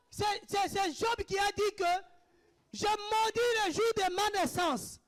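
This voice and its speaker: Fervent male preacher, very high voice, mixes shouts with quiet asides. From Africa. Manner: impassioned, swings between shouted declarations and hushed asides. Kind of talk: sermon answering questions.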